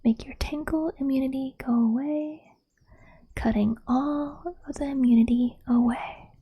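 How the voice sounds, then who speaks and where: A woman doing an ASMR roleplay in a gentle, reassuring, breathy whisper, speaking softly and slowly close to the microphone. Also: high voice, fairly even intonation. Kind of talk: soft-spoken ASMR roleplay.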